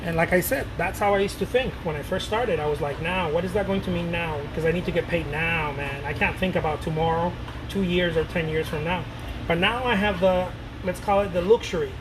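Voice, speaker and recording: Talking a little fast, this late-thirties painter with a fairly high voice gives his viewers a casual, animated ramble on camera, going back over his words and swearing lightly. An air conditioner hums steadily and distinctly in the background.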